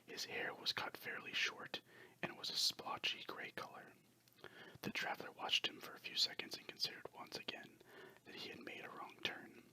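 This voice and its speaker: Someone narrating a story in a breathy, unvoiced ASMR whisper, hushed and scripted. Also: moderate pace, rough recording.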